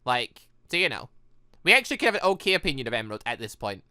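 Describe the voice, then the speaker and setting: Gaming host, bright and very lively, rambling giggly reactions, dry close sound. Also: medium pitch, quick pace, clear, resonant tone, no echo. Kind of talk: excited reaction commentary over a visual novel.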